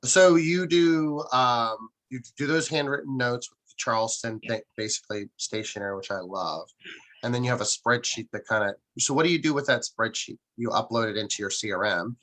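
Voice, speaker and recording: A man's voice: medium pitch, moderate pace, a bit bright, low-quality recording. A man interviewing a guest casually, informal in manner, recapping and asking questions as host.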